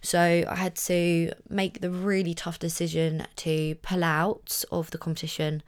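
A young woman hosting her podcast, talking casually with a husky voice hoarse from shouting, telling a rambling story. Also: lowish voice, little pitch movement, unhurried. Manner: chatty, rambling storytelling with fillers. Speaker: podcast host. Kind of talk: casual solo podcast chat.

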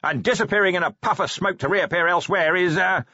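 A man voicing a loud, booming, jovial old wizard who runs a university, hearty and exclamatory in an audiobook. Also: fast talker, no room sound, muffled recording, exaggerated voice. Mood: intrigued, hearty.

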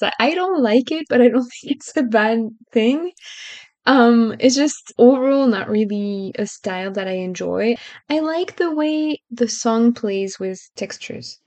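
Woman, podcast co-host, slightly high voice, dry close recording, hesitant, giggly. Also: a little mellow, no room sound, muffled recording. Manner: hesitant, self-correcting, giggly. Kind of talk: casual chat.

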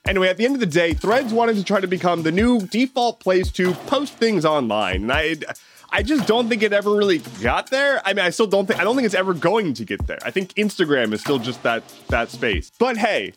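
An American man in his thirties giving casual, sarcastic news commentary with quick opinionated asides. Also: high voice, fairly bright tone. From United States.

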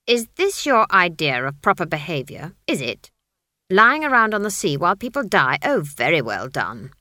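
A woman's voice: fairly low pitch, very animated, normal speed, bright, forceful tone, dry recording, clean studio sound, heavily acted. Woman putting on a stern, imperious old witch. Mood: scolding. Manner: scolding, clipped, imperious. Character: stern old witch, sharp-tongued and commanding. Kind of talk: audiobook character voice.

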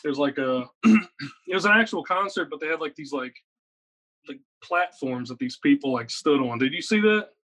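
Guest, male, 30s, from Virginia, slightly higher voice, energetic and rambling. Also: normal speed, slightly rough. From Virginia, USA. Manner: energetic, rambling, lots of "like" and "right?". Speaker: guest, metal guitarist. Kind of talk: casual interview chat.

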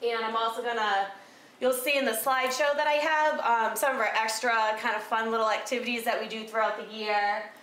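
Woman in her 30s presenting to a room, loud and chatty, fairly high voice, says like and um a lot. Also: steady tone, brisk, low-quality recording. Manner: chatty, with many fillers and filler likes. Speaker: recreational therapist giving a presentation. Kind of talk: casual talk to a small audience.

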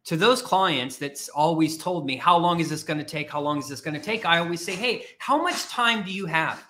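Guy career coach, punchy and blunt, tense bright voice. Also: fairly high pitch, normal speed, a little hiss or hum. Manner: emphatic, repetitive, blunt. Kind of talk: motivational talk to camera.

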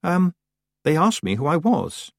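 Male reader as young witch girl: raised pitch, earnest, indignant, expressive. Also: a little slow, vocal fry, no echo, studio quality, heavily acted. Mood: uneasy. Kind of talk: acted storybook dialogue.

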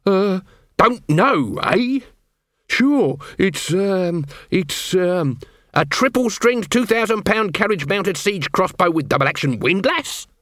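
A man's voice: high-pitched, lively intonation, slow, a bit bright, dry recording, clean studio sound, voice pushed up, exaggerated voice. A man voicing a fat, surly armourer in a storybook, hesitant, grudging and defensive. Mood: grudging unsure.

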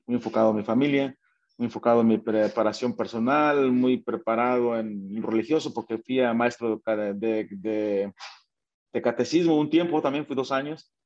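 Mexican man, interview guest, lively anecdote teller who voices the people in his story, slightly muffled recording. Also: medium pitch, normal speed. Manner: animated, acts out quoted dialogue, many fillers and restarts.

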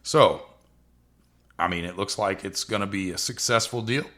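A man who races cars, hosting his own podcast in loose, rambling casual talk, his voice scratchy and rough today. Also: on the low side, moderate pace, a bit bright. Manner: loose, rambling, frequent fillers. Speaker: podcast host and drag racer.

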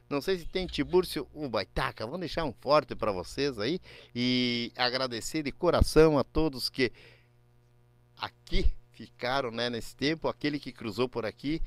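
A man hosts a regional radio program in a southern Brazilian gaúcho accent, rambling through folksy shout-outs to his listeners. His voice is smooth and resonant at a middle pitch, and it is recorded close and dry with no room sound. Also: normal speed, dry recording. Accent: Rio Grande do Sul gaúcho. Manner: folksy, rambling, slangy greetings. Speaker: radio host.

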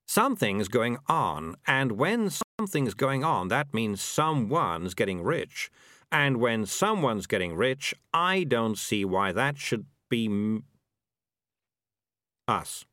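A man's voice: medium pitch, big pitch swings, slow, bright, forceful tone, dry recording, studio quality, exaggerated voice. A man voicing a sly, money-minded talking cat who grumbles and cajoles in a storybook reading. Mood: scheming.

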